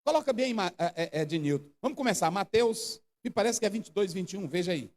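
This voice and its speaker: A male pastor with a strikingly high voice preaches with fire. He drops to near whispers, then climbs into fervent outbursts. His voice rings out through a big church hall with a long trailing reverb. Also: expressive, fairly quick. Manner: fervent, swings from hushed to shouting, acts out quotes. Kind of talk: impassioned Pentecostal sermon.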